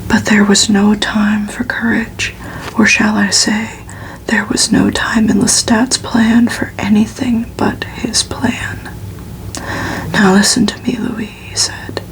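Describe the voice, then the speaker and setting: Female ASMR reader for gothic fiction: fully whispered, unhurried, very even in pitch. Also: rough recording. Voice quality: soft unvoiced whisper. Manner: slow, hushed, even narration.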